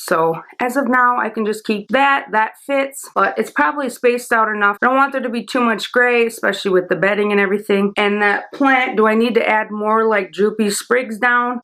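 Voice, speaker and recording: A woman's voice: a little high, a bit bright. A woman from the American Midwest giving a casual, chatty tour of her home office, with lots of filler words. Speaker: home decor vlogger. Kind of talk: casual room tour narration. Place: small home office bedroom.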